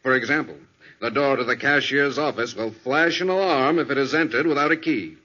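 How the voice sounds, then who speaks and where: Careful businessman: courteous, precise, bright tone, vintage 1940s radio crime drama sound. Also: mid-range voice, a little fast, highs cut off. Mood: polite, cautioning. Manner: formal, precise, polite. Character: courteous, careful male store owner.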